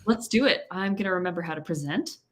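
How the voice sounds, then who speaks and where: A woman with a somewhat low voice co-hosts a casual livestream from her home office. She talks in a wry, joking way and drops quick asides. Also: expressive. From Texas. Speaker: co-host.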